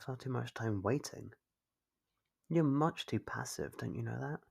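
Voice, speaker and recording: A performer acting out an obsessive stalker for an ASMR roleplay, in a husky, gravelly voice of middling pitch. The captor coaxes and chides like a doting owner, possessive and smug, drawing out teasing little questions. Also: lively intonation, darkish tone, exaggerated voice. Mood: scolding, possessive. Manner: coaxing, chiding, drawn-out teasing questions. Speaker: voice actor.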